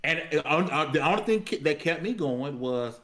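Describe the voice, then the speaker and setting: A man on a gaming podcast panel giving casual, explanatory commentary in a measured way with colloquial asides. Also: on the high side, expressive, fairly bright tone.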